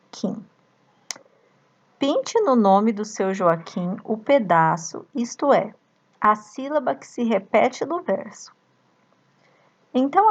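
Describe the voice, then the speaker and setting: Slow, patient woman teacher with a Brazilian accent. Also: medium pitch, muffled recording. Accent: Brazilian Portuguese. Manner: reads aloud slowly, sings and chants syllables. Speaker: primary school teacher. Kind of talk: slow workbook lesson for young children.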